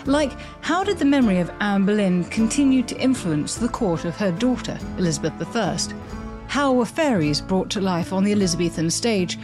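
A woman hosting a podcast, reading a promo with brisk, confident questions. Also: medium pitch, expressive, over music.

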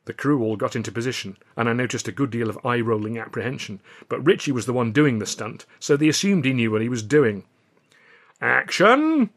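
A man's voice: mid-range voice, steady tone, fast, hardly any pauses. A man reading scripted first-person audiobook narration of a novel. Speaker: author reading own novel.

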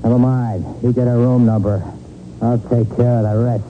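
A man's voice: mid-range voice, flat delivery, normal speed, faint music behind, natural voice. Man playing a bullying old-radio gangster boss. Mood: calculating, bossy. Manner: slangy, snarling, domineering. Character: bullying, hot-tempered male gangster boss. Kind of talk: 1940s radio gangster acting. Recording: narrow, muffled 1940s radio recording.

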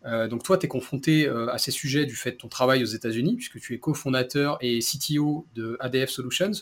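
Male podcast host, French accent, mid-pitched voice, presenting and interviewing. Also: a little fast.

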